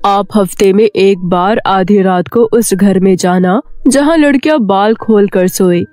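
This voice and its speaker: A woman voicing a secretive sorceress who gives measured, ominous instructions in a cartoon story. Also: medium pitch, darkish tone, dry recording, pitched below the performer's own voice, lightly acted. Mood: conspiratorial. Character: secretive, cautioning sorceress living in a cave. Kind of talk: cartoon moral-story character voice.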